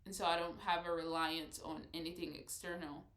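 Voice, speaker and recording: A woman's voice: fairly low pitch, flat delivery, brisk, fairly bright tone. A woman talking casually in a spiritual vlog, rambling with many restarts, and she sounds congested and nasal. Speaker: vlogger. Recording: echoey room.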